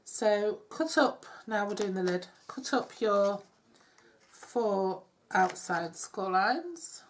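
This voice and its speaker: A middle-aged woman with a cold, chatting her way through a craft demonstration with soft, self-deprecating asides. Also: medium pitch, expressive, takes it slowly, slight background noise. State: congested with a cold. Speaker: craft tutorial host. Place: home craft table. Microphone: overhead camera on hands, speaker off-screen.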